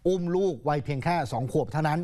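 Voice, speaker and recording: Man, news anchor, conversational storytelling, chatty and casual, slightly high voice. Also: fast talker, dark tone. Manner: casual, chatty, uses polite particles.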